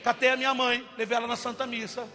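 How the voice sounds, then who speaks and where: Guy preaching his testimony, really high bright voice, big echoey hall w soft music behind. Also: flat delivery, fast talker. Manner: impassioned, swings from loud cries to hushed. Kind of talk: testimony sermon.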